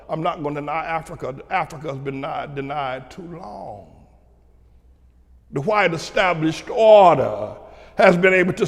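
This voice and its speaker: An older pastor from North Carolina with a Southern drawl, his voice high and bright with a gravelly edge. He rolls from low, chuckling asides into sudden shouted declarations. The sound carries a long reverb, as in a large hall. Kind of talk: preaching commentary to a broadcast audience.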